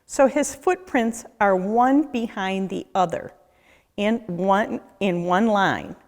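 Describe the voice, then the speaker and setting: A woman reading a children's picture book aloud as a nature educator, with a deliberate, questioning storyteller delivery. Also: medium pitch, animated, darkish tone. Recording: echoey room with long reverb.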